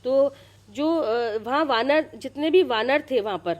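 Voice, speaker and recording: High-voiced woman telling a scripture story. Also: measured pace. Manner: chatty, repeats and restarts, checks listeners follow. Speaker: storyteller retelling a Purana. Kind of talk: casual religious storytelling.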